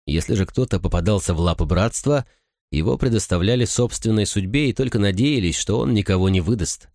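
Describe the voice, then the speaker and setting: Deep-voiced male audiobook narrator. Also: a little fast, darkish tone, no echo, clean studio sound. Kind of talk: scripted narration.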